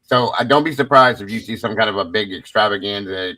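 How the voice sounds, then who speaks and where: A man's voice: fairly low pitch, fast, bright, forceful tone, no echo, poor audio. A man on a livestream panel, talking casually and rambling as he searches for words.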